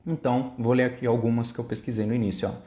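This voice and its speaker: A man's voice: mid-range voice, level tone, very fast, mellow, reverberant. A Brazilian man with a Brazilian Portuguese accent, talking casually in a vlog and explaining things step by step with examples. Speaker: language-learning vlogger.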